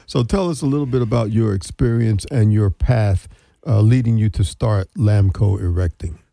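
A male talk show host reads announcements and a guest bio in a steady, scripted way. His voice is mellow and dark, recorded close with no room sound. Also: lowish voice, moderate pace, creaky, no room sound.

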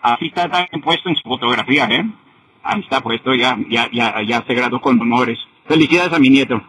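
Older Mexican caller with a husky voice, rambling sports opinions. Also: male voice, mid-range voice, fairly quick, fairly bright tone, dry recording, rough recording. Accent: Mexican, Jalisco. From Jalisco, Mexico. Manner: rambling, repeats "ok?". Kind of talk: heated sports call-in talk. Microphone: phone while driving.

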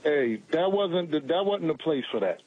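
Husky forty-year-old man calling in. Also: fairly high pitch, very animated, normal speed. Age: 40s. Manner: blunt, casual, says bro a lot. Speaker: caller. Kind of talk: phone-in opinion. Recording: dull phone-line audio.

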